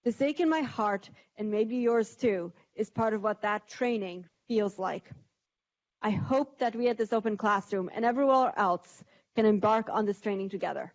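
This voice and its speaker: A woman giving earnest, measured prepared remarks as a panel speaker. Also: mid-range voice. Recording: dull lo-fi event recording.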